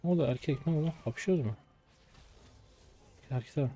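A man in his twenties streaming his gameplay, chatty and excitable, trash talking in slang and breaking into sudden high-pitched outbursts. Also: a little fast, soft background music. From Turkey. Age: 20s. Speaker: game streamer. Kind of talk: live gameplay commentary.

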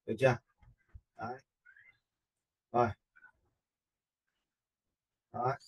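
Người đàn ông hướng dẫn, giọng hơi khàn. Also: male voice, medium pitch, little pitch movement, slow pace, slightly rough. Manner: informal, step-by-step, often checking in with listeners. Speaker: video editing instructor. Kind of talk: casual screen-recorded software tutorial. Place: indoors, voice-over for a screen recording.

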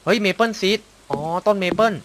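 A young gameplay commentator with a high-sitting, fairly bright voice talks fairly quickly with lively intonation, over a little hiss or hum. Casually playing a video game, he exclaims, mutters and throws in small sound effects.

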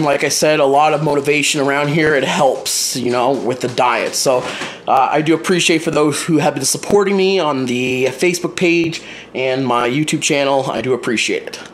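Holding a wide-angle camera close, a young vlogger chats casually indoors across his small kitchen and living room, rambling and using lots of fillers. He sounds a little high, with slight background noise.

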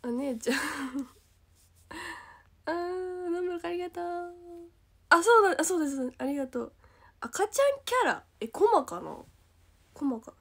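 A young woman with a Kansai accent chatting casually on a livestream, reading comments aloud, giggling often and sometimes dropping to a soft whisper. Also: very high voice, expressive, moderate pace, pauses often. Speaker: idol livestream host.

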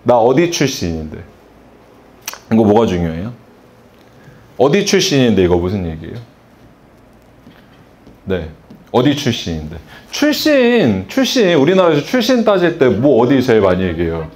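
A man's voice: mid-range voice, huge pitch swings, normal speed, long pauses, a little mellow. A middle-aged man giving a salon business workshop, asking the audience questions and acting out exchanges with customers. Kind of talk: workshop lecture.

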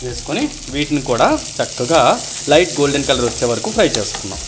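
The host of a cooking channel walks viewers through a recipe step by step, speaking to them directly. His medium-pitched voice is lively and quick, with noise in the background.

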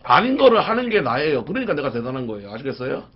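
A man's voice: mid-range voice, sing-song, fast, slight background noise. A man live streaming and taking viewer calls, talking with his mouth full, blunt and rude with callers. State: talking while chewing. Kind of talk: casual live-stream chat while eating. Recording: dull lo-fi stream audio.

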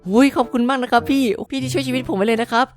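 Brief: woman voicing a small polite boy, higher put-on voice, pleading. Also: steady tone, rapid-fire, soft background music. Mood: grateful. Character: timid young boy being robbed.

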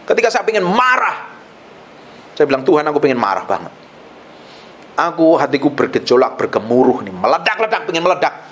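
A male pastor preaching a sermon in an animated way, swinging between loud and hushed and acting out the people he quotes. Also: a little high, slight background noise.

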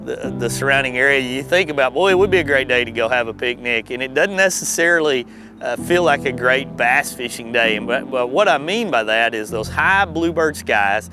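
A man's voice: medium pitch, animated, moderate pace, background noise. A middle-aged man hosting a fishing show, giving casual, conversational commentary in a folksy way.

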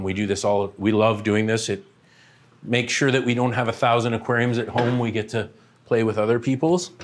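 A middle-aged man, a shop owner, giving a casual walking tour of his large indoor aquarium shop and warehouse, talking with lots of "um" fillers. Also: on the low side. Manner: relaxed, many "um" fillers, pointing at products as he walks.

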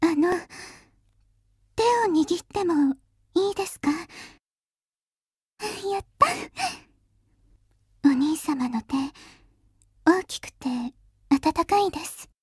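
Woman as a slow, tender, high-voiced little sister. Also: no room sound, clean studio sound. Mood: tender, shy. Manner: polite, tender, hesitant. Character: gentle, devoted younger sister speaking to her brother.

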